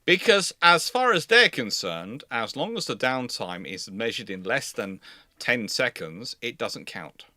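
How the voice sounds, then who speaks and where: A man with a bright, forceful voice and a dry, close sound hosts a live history stream. He talks casually and explains at length, wandering off into asides and repeating himself as he goes. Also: medium pitch, sing-song, unhurried, dry recording.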